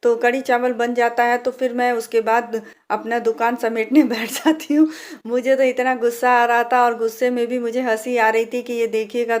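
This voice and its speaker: Woman, chatty vlog talk, higher pitch, home kitchen. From India. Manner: chatty, addresses viewers directly, frequent restarts. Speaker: vlogger. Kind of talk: casual cooking and cleaning vlog narration.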